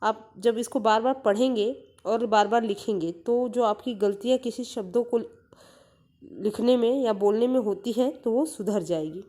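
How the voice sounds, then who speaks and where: A woman's voice: fairly high pitch, moderate pace, mellow. A woman teacher giving a grammar lesson to young children, patiently repeating each word aloud and explaining letters and vowel signs step by step.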